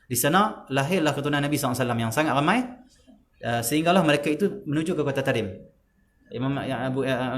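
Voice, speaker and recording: A man from Malaysia, giving a lively, emphatic religious lesson in a conversational way. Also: medium pitch. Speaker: religious teacher.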